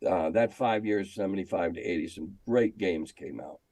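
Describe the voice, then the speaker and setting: A man's voice: sits low, normal speed, dark tone, dry recording. An older man reminiscing casually in an interview, speaking emphatically and repeating phrases to make his point. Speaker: game designer and magazine editor guest.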